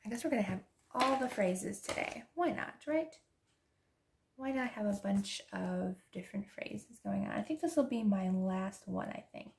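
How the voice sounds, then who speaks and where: Chatty lady decorating her planner, hoarse and fading voice, gravelly fry, keeps dropping to a whisper. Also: mid-range voice, animated, normal speed, a little hiss or hum. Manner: soft-spoken, drifting into whispers; chatty, laughs often. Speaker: planner and journaling vlogger. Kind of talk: casual chat while decorating a planner.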